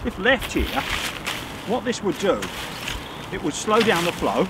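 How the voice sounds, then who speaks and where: A man is heard over loud background noise. The sound is dry, with no echo. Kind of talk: explanatory commentary while working. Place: waterside. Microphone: camera far.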